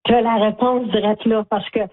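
A woman's voice: a little high, brisk. Franco-Ontarian woman on a tinny phone line. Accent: Franco-Ontarian French. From Northern Ontario, Canada. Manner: warm, animated storytelling with frequent "ok?". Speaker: guest, community volunteer. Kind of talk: phone interview.

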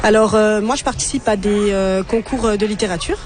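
A woman's voice: mid-range voice, fairly even intonation, a little fast, a crowd in the background. A woman from France, answering interview questions hesitantly and with many fillers. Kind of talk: casual interview.

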